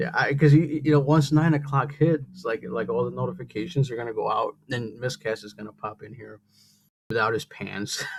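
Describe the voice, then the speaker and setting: Big swings in loudness mark this man's speech, delivered at a moderate pace with medium pitch and ordinary pitch variation. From US Midwest. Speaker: livestream host, photographer and musician. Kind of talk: casual live stream chat. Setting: live stream, not in usual spot. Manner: soft-spoken, kept quiet; halting, many fillers.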